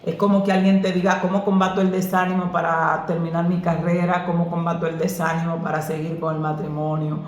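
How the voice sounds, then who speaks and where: A woman pastor, answering questions about prayer in an earnest, preacherly way that slips into lively storytelling. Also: lowish voice, fairly quick, few pauses, a little hiss or hum. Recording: echoey room.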